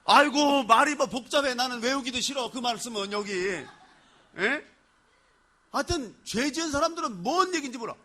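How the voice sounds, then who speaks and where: A male pastor from Chungcheong preaching in a lively, conversational way, acting out people's words and putting questions to the congregation. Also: very high voice, normal speed. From Chungcheong, Korea. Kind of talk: sermon.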